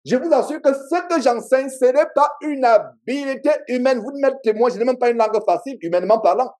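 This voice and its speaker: High-pitched preacher with a Cameroonian accent. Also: male voice, fairly quick, a little mellow. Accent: Cameroonian French. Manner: emphatic, repeats key phrases, call-and-response with the congregation. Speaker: pastor. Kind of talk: sermon. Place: church meeting.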